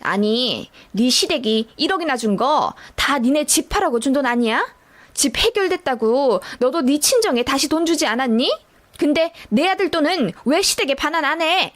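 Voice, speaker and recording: A woman voicing a brazen, scolding middle-aged mother-in-law in a dramatic story reading, with a sharp, accusing manner. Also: high voice, animated, normal speed.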